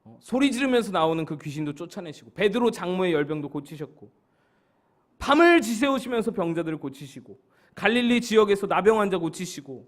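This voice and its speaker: Animated, high-voiced male pastor. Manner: explanatory, rising emphatically on key words. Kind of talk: Bible study sermon. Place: church.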